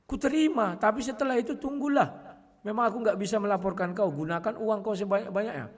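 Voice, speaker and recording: A man speaking casually to his viewers in a combative way, often clearing his throat. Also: high-pitched, quick pace, in a large hall. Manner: combative, addresses listeners as "kawan", frequent throat clearing. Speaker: online video host.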